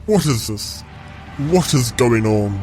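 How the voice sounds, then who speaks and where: Man doing a slow, gloating evil villain. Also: medium pitch, animated, mellow, faint music behind. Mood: disbelieving. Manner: grandiose, menacing, drawn-out phrasing. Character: gloating evil male twin villain bent on destroying reality. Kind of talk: amateur audio roleplay drama.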